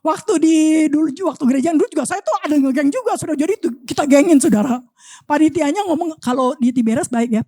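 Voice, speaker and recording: High-voiced animated woman preacher. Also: quick pace, no echo. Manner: animated, addresses congregation as "Saudara" constantly. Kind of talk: sermon. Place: church.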